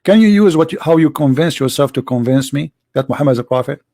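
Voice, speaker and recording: Arab speaking guy debating religion, english, keeps repeating questions, kinda high voice. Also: expressive, fast talker, dark tone. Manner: insistent, repeats questions, non-native English phrasing. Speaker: host debating religion with a caller.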